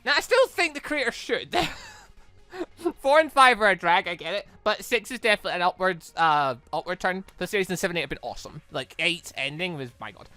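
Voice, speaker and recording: A young man hosting a gaming channel, giving casual, rambling and excitable Let's Play commentary. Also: high voice, brisk, no echo, faint music behind.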